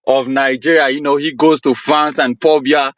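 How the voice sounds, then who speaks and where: A man's voice: mid-range voice, level tone, normal speed, a bit bright, no room sound, dull audio. A man from Cameroon, a guest in a heated debate, deflecting questions defensively. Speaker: panel guest.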